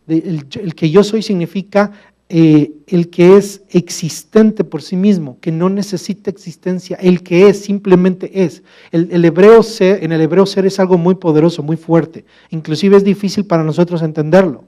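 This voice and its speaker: A man preaching a sermon in a church, asking the congregation rhetorical questions and calling them brother, moving between emphatic loud passages and quiet low asides. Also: steady tone, normal speed.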